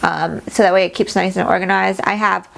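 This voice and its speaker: Chatty woman vlogger with a creaky voice. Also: medium pitch, fairly even intonation, a little fast, background noise. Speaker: travel vlogger. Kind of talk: casual product show-and-tell for camera.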